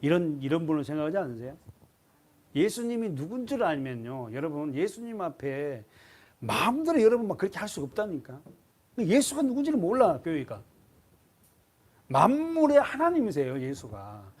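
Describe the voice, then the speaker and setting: Korean pastor guy preaching, kinda high voice, keeps firing questions at the church. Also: sing-song, brisk, darkish tone. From South Korea. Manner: emphatic preaching, rhetorical questions to the congregation. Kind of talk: sermon. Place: church sanctuary.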